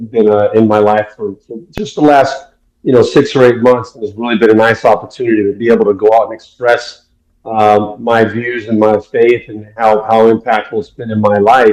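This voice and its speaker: With an American accent, a man talks at a medium pitch in a monotone, flat intonation. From Southern California. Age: 60s. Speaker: former football quarterback and sports broadcaster. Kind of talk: interview.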